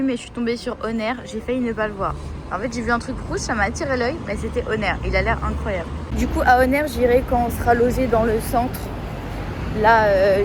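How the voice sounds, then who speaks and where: A young woman vlogging casually as she walks through city streets, chatty and rambling as she thinks aloud. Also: on the high side. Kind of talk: casual travel vlog while walking. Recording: street noise, passing traffic. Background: urban street ambience with vehicles.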